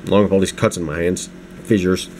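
A young man with a somewhat low voice talks at an unhurried, rambling pace as he reviews a knife at home. He sounds tired and a little sniffly from a recent flu, and he trails into side comments. A faint hum runs underneath the recording. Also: steady tone, darkish tone. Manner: rambling, self-deprecating, many restarts and asides. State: low energy, getting over the flu, sniffly. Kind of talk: casual unscripted product review. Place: home desk at night. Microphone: camera mic, hands-only framing. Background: space heater hum.

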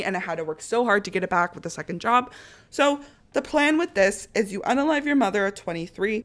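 A young woman with a raspy voice, still recovering from a cough, chatting through a mobile game walkthrough as a gaming channel host. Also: mid-range voice. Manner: chatty, upbeat, narrates each step. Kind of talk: casual game walkthrough commentary.

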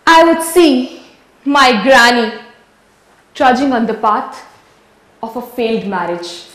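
A young woman from India performs a dramatic spoken-word monologue in measured, rhythmic phrases that swell through lists. Her voice sits high and moves unhurriedly. A stand mic catches her in a roomy hall. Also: animated, a bit bright. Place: large wooden-walled hall.

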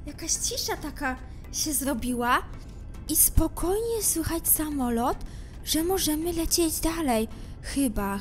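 A woman commenting on a game she is playing. She speaks to her viewers, moving from hushed suspense to loud panicked shouting. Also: high-pitched. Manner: talks straight to viewers, swings from hushed suspense to screaming panic. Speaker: gameplay commentator.

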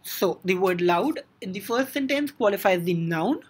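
A woman's voice: medium pitch, expressive, moderate pace, slightly rough. A woman with an Indian English accent teaching a grammar lesson, explaining step by step with frequent "now" and "so".

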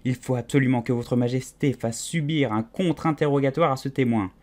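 A man voicing an anxious little white rabbit with a high, urgent voice. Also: a little fast, darkish tone, natural voice.

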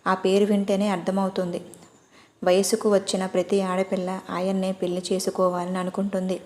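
In an audio storybook, a wary young man talks in a curt, flat, gruff way, as a woman narrator puts him on. He fires off blunt questions. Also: medium pitch, brisk, natural voice. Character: stern young man, a wary rich host.

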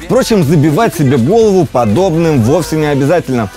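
A man's voice: fairly high pitch, sing-song, a little fast, warm tone, faint music behind. A man in his thirties presenting a scripted film review with a playful, ironic manner.

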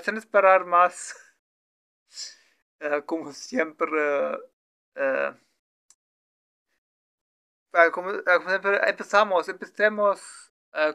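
A man practicing Spanish as a learner, talking slowly through an improvised story with many fillers, restarts and self-corrections. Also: a little high, vocal fry, sharp tone, smooth. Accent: non-native Spanish learner. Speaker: language learner streaming his practice. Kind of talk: halting improvised practice talk.

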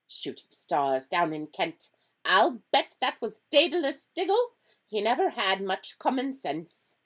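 A woman's voice: medium pitch, pitched above the performer's own voice. A woman voicing a severe, irritable witch professor in a storybook, with a clipped, exasperated, emphatic delivery. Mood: impatient. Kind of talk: storybook character reading.

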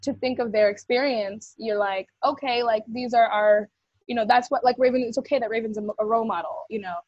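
A woman's voice: fairly high pitch, a little fast, darkish tone, no echo. A young woman co-hosting a casual video call chat, rambling with many fillers. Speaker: co-host. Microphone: webcam on video call. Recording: dull, dry webcam audio.

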